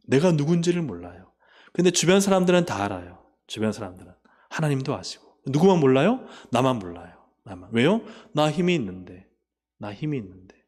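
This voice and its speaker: A man preaching a sermon as pastor. He asks the congregation questions and answers them himself, and he moves between emphatic rises and quiet, low endings. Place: church sanctuary. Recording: long hall reverb.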